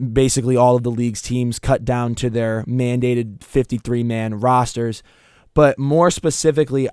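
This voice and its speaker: A young man hosts a sports talk show with a croaky, strained voice. The tone stays smooth and clear even through the hoarseness. The recording is close and dry, and he pushes ahead with energy. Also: medium pitch, no echo. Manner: energetic, talks through his points with restarts. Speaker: podcast host.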